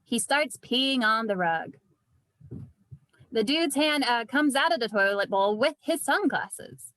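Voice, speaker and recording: A woman's voice: fairly high pitch, expressive, slow, a bit bright, no room sound. A woman narrating scripted stage directions at a table read. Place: indoors, remote online read.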